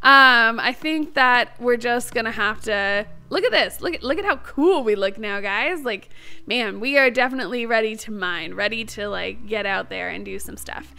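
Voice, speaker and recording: A woman's voice: fairly high pitch, normal speed, gravelly, sharp tone, smooth. A woman giving casual let's-play commentary as the host of a gaming series, chatty, bubbly and enthusiastic.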